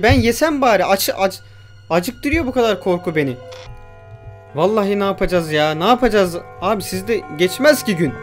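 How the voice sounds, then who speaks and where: A young man giving casual let's-play commentary on a horror game, jumpy, swearing and talking back at the game's creatures. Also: high-pitched. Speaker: gamer.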